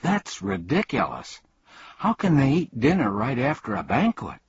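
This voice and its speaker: A man voicing a polite, earnest, puzzled young boy in a storybook, given to gentle protest. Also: medium pitch, huge pitch swings, moderate pace, slightly rough, lo-fi sound, pitched above the performer's own voice, heavily acted. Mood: confused, protesting. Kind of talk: storybook character reading.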